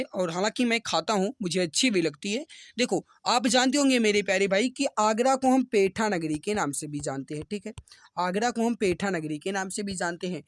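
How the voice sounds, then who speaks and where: A man's voice: high-pitched, no echo, clean studio sound. A man teaching an online exam-prep class, who calls his students dear brothers and sisters and keeps repeating each answer. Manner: rousing motivational appeals.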